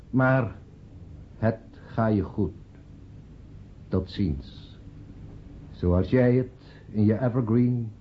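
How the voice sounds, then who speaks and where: An actor playing a sentimental man who speaks in a declamatory, measured way in a radio play. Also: mid-range voice. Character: man giving a solemn, sentimental graveside eulogy for a friend. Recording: dull, noisy old radio play recording.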